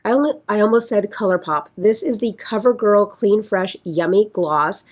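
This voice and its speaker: A woman vlogger with a raspy, congested voice from a sinus infection, chatting casually and rambling a little as she talks through her products. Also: medium pitch, moderate pace. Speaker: beauty vlogger. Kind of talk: casual chat.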